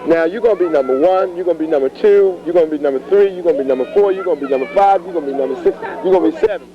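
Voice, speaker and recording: A man's voice: fairly high pitch, racing. An American man hosting informal community TV interviews, with a joking, teasing manner. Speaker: host interviewing young people at a fair. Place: busy auditorium at a fair. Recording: muffled sound, busy crowd noise behind.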